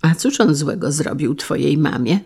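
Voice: medium pitch, lively intonation, moderate pace, creaky, darkish tone, slightly rough. A narrator voicing a jovial middle-aged carriage manufacturer who asks hearty, teasing questions in an audiobook. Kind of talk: audiobook character reading.

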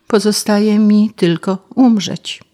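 Woman voicing a hungry little grasshopper in a storybook, higher than her narration, slow and pleading. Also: fairly even intonation, mellow, close to an everyday voice. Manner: begging, weak and plaintive. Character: starving pleading male grasshopper.

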